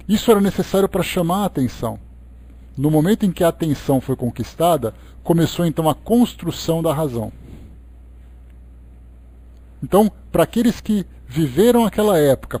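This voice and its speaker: A man's voice: a little high, warm tone, slightly rough. A Brazilian man giving an expository study talk as a lecturer, reading aloud and explaining in a didactic way with conversational asides. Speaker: lecturer leading a Spiritist book study.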